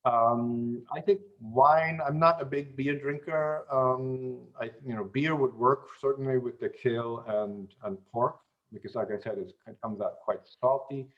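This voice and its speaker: A man who grew up in German-speaking Europe, chatting as an interview guest in an unhurried way, with many fillers and restarts. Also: medium pitch, highs cut off. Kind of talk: casual interview chat.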